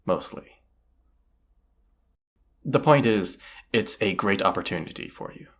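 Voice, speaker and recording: A man's voice: lowish voice, lively intonation, unhurried. A man playing a cocky, teasing, commanding bandit leader in a roleplay audio drama, casual and swaggering. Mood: persuasive, teasing. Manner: casual, teasing, swaggering, rhetorical tag questions.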